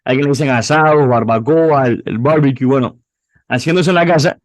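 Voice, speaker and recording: A man's voice: mid-range voice, normal speed, no room sound. Young Cuban man with a dry close sound. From Cuba. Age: 20s. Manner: rambling, frequent restarts and repeated words. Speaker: youth pastor. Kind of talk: personal testimony interview.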